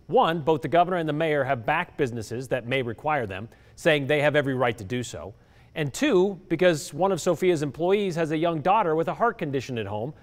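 A man's voice: on the high side, in a large hall. A middle-aged man presenting a scripted TV news report in a studio, with an emphatic anchor delivery. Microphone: lapel mic.

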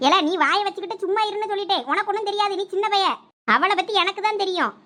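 A woman playing a quarrelsome village woman with a Thoothukudi Tamil accent, scolding rapidly. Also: very high-pitched, bright, forceful tone. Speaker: actor in village family drama. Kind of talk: village comedy sketch acting.

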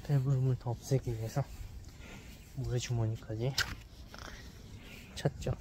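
A man's voice: mid-range voice, little pitch movement, unhurried, dark tone. A man talking through a face mask while out on a walk, chatting casually to his viewers. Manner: chatty, addresses viewers directly. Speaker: vlogger. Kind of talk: casual vlog chat. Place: outdoors on a walk.

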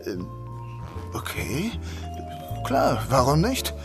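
A man's voice: mid-range voice, wildly swooping pitch, very slow, music in the background, full character voice. A man playing a dry, somewhat awkward detective inspector in a crime audio drama, with hesitant delivery. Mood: awkward, sheepish. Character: male detective inspector, dry, awkward, narrating his case. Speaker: lead actor and narrator.

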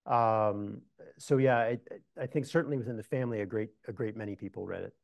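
A middle-aged man, a historian, answering audience questions in a meeting room, measured and thoughtful with frequent restarts. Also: lowish voice, vocal fry, no room sound, dull audio. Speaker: historian giving a talk. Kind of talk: lecture Q&A answers.

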